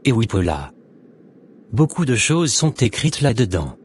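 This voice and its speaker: A man's voice: medium pitch, very animated, a little slow, a little hiss or hum. A man voicing an earnest, devout Christian convert in a cartoon, speaking in a solemn, exhorting, formal way. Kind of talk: scripted Christian animation dialogue and preaching.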